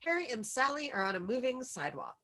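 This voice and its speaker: A woman's voice: high-pitched, sing-song, fast, fairly bright tone. A woman reading the stage directions as narrator in a script table read.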